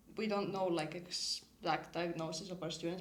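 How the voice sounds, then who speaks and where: Audible room echo surrounds a woman with a fairly low pitch. She talks fairly slowly in a monotone, flat way. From Estonia. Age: 20s. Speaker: volunteer. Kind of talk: podcast conversation. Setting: studio.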